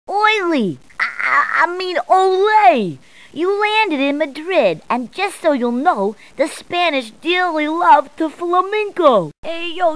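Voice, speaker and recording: A brash video game policewoman. Her voice is very high and swoops widely as she gives directions. The delivery is playful, punning and emphatic, in a dry, close recording. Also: fairly bright tone, dry recording. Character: brash, jokey New York policewoman giving directions. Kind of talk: scripted video game character clips.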